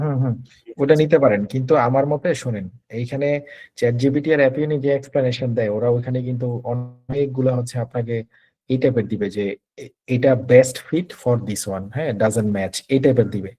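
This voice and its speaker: A man's voice: medium pitch, dark tone, husky. A man, coaching students patiently in an online Q&A session. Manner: patient, advising, repeats points. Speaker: English test coach. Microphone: video call.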